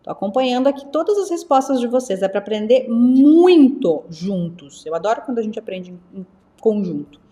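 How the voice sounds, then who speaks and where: A young woman from teaching English live, lively and repeating words slowly for her students. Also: a little high, echoey room. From Brazil. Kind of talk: live online English lesson.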